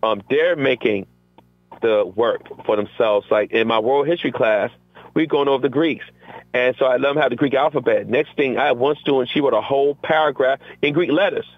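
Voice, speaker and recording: As a guest on a conversational call-in interview, a middle-aged male teacher talks in a lively way, acting out quotes from classroom exchanges with his students. His medium-pitched voice moves fairly quickly. It arrives through a narrow, tinny phone line with no room echo at all.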